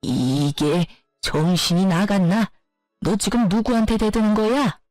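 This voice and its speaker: A woman's voice: mid-range voice, measured pace, a little mellow, no echo, faint music behind, lightly acted. A woman voicing a contemptuous middle-aged mother-in-law who berates and insults her daughter-in-law. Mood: shouting.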